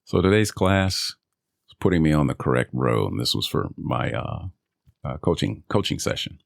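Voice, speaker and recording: A voice actor talking casually and loosely about auditions and coaching, with self-amused laughs. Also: male voice, very deep voice, sing-song, normal speed, creaky, no echo, clean studio sound. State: recovering from a cold. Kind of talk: casual solo vlog. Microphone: studio microphone.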